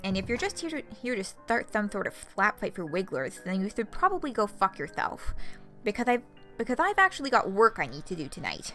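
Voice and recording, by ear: A woman talks fairly quickly in a nasal, put-on character voice at medium pitch. Music plays in the background.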